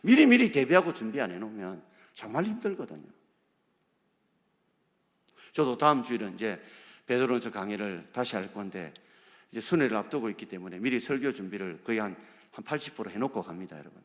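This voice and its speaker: Animated Korean pastor preaching in a reverberant church. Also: male voice, fairly low pitch, a little fast, long pauses. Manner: emphatic preaching with rhetorical questions to the congregation. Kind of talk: sermon. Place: church sanctuary. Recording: long hall reverb.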